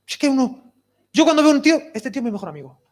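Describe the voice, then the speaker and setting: A man preaching a sermon in a lively, conversational way, often dropping to soft, near-whispered lines. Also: very high-pitched, racing. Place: outdoor summer cinema.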